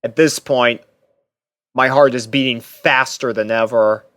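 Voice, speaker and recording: Slow, smooth-voiced male story narrator. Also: mid-range voice, fairly even intonation, a bit bright, dry recording, studio quality. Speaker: fan fiction narrator. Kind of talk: scripted first-person story narration.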